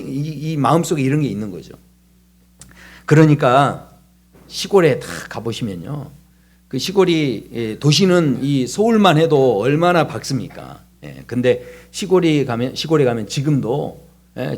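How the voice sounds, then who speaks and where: High-voiced male pastor preaching. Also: darkish tone. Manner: asks the congregation questions and answers them himself. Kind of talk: sermon. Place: church sanctuary.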